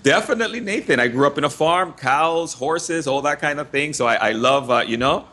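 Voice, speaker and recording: A man's voice: fairly high pitch, lively intonation, fairly quick, pushed and bright. A man from the Dominican Republic hosting a Christian radio talk show, upbeat and chatty with frequent fillers.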